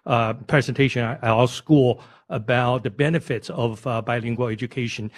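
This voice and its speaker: A man calling in to a radio show to pitch an idea, speaking haltingly with many pauses. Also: fairly even intonation. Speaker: caller.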